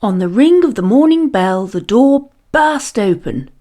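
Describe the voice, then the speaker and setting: A woman narrates a children's read-along story in a fairly high voice. Her delivery is dramatic and very animated, with slow, deliberate pacing that lets each phrase land.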